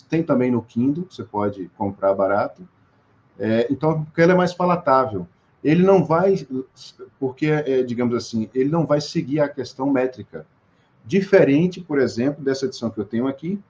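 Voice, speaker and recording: A Brazilian man talks at a middle pitch in an interview, stopping and restarting often as he explains. His speech is full of small fillers. The recording sounds a little dull. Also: a little mellow. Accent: Brazilian Portuguese. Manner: hesitant, many restarts and fillers. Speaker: guest.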